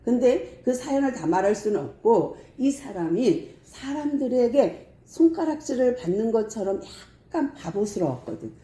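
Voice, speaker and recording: Woman pastor, lively storytelling sermon, mellow tone, echoey room. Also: fairly high pitch, moderate pace, few pauses. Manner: lively storytelling, acting out scenes.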